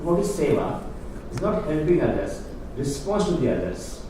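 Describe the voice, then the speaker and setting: A man's voice: on the high side, very animated, moderate pace. A man giving an earnest public talk, explaining ideas to an audience in plain, non-native phrasing. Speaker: guest speaker on Hindu philosophy. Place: lecture room with audience. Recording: echoey hall, speaker far from mic, noisy.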